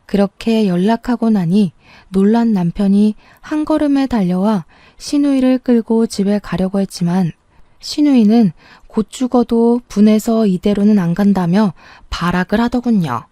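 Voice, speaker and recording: A young adult woman narrating a first-person story in a plain, even manner. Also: mid-range voice, moderate pace, dry recording.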